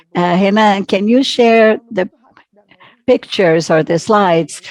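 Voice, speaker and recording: A woman speaks at a medium pitch with fairly even intonation, and the sound is dry and close with no echo. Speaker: professor and event coordinator. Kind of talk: webinar opening speech.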